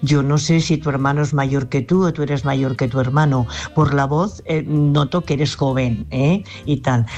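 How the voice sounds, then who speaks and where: A woman's voice: extremely low pitch, darkish tone. An older woman from La Mancha with a Spanish accent, phoning into a radio show to give earnest, repetitive advice and often restarting her sentences. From Castilla-La Mancha, Spain. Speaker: caller. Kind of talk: radio call-in message.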